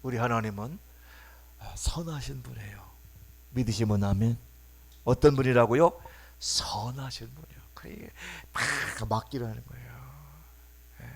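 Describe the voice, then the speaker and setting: A man delivering a Sunday sermon in a church, his voice sitting at an ordinary middle pitch. He preaches emphatically, often calling out questions and waiting for the congregation to respond, and he acts out the voices of the people he quotes. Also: measured pace, creaky, long pauses, slightly rough. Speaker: pastor. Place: church sanctuary.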